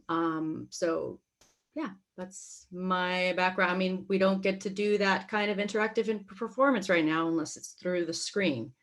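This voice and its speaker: A woman with a slightly low voice answers interview questions as a performer. Her talk is informal and conversational, with a wry edge. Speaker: theater performer and costumer. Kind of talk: casual panel interview.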